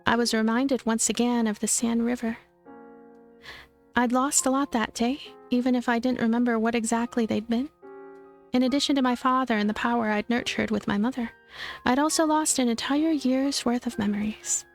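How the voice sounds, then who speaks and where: Woman as young witch narrator of a visual novel: earnest, hesitant, fairly high voice over music. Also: fairly even intonation, moderate pace, lightly acted. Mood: wistful.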